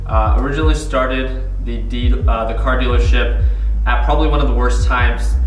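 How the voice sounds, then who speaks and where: With music in the background and audible room echo, a man with a very deep, low voice speaks at a fairly quick pace in a monotone, flat intonation. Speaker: vlogger. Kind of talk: casual vlog chat. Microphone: camera far.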